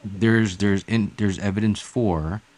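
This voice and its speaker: A man's voice: on the low side, fairly even intonation, a little mellow, dry recording. A man who is not a native English speaker, arguing insistently as a caller in a heated debate, often restarting his sentences. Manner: insistent, provoking, halting restarts.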